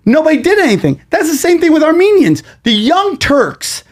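A man's voice: extremely high pitch, huge pitch swings, normal speed. A man who grew up in the United States, a guest comedian in a casual podcast conversation, ranting heatedly and swearing often.

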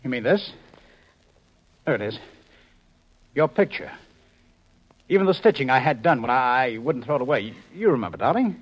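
An earnest, emotional husband pleads in a husky voice that rises and falls widely. His manner is coaxing and intimate, in 1950s radio drama style, on a muffled old recording. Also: medium pitch, big pitch swings, moderate pace, long pauses. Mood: earnest, pleading.

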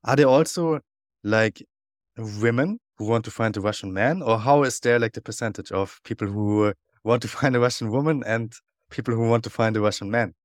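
A man hosting a podcast, asking a guest curious, slightly halting questions. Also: medium pitch, no room sound, studio quality. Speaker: podcast host. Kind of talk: interview questions.

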